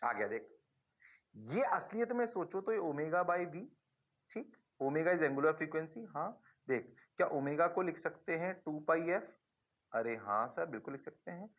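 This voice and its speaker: A male physics teacher giving a lesson, coaxing his students with rapid-fire questions that he answers himself and slipping English phrases into his explanations. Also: a little high, lively intonation. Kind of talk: classroom lesson.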